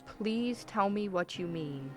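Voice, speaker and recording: A woman's voice: mid-range voice, lively intonation, slow, soft background music. A woman playing a controlled military doctor in a radio play, interviewing a patient in a formal, clinical, authoritative way. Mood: clinical, composed. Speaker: voice actor.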